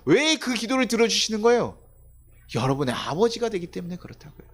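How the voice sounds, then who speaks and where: High-voiced male pastor preaching. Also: very animated, fairly quick, a bit bright, breathy edge. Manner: conversational preaching with rhetorical questions; acts out quoted voices of children and God. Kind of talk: sermon.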